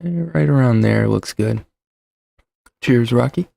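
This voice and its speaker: Man, thirties, gravelly fry, dry close sound, casual livestream host, rambling, self-deprecating. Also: mid-range voice, slow pace, dark tone, no room sound. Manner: rambling, self-deprecating, many fillers and restarts. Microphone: desk mic with shock mount.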